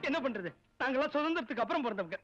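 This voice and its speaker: An actor playing an eager young male college student who teases quickly. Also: very high voice, sing-song, a bit bright, dull audio, exaggerated voice. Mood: teasing. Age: young adult. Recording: old film soundtrack with music.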